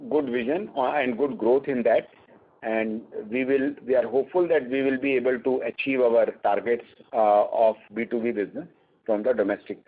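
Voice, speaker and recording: A man with an Indian accent answering questions as a company executive, speaking haltingly and repeating words. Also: mid-range voice. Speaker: company executive on an earnings call. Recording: narrow, tinny phone line.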